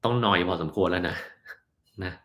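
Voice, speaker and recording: A man with a fairly low voice hosts a casual live-stream Q&A as a doctor, answering viewers' health questions. He talks in a blunt, offhand way and sometimes drifts into mocking asides. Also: steady tone, normal speed. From Thailand.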